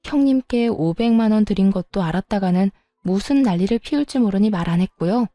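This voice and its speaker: A woman's voice: mid-range voice, expressive, fairly quick, mellow, dry recording, studio quality, faint music behind. A young woman narrating her own family story in a confiding, gossipy way.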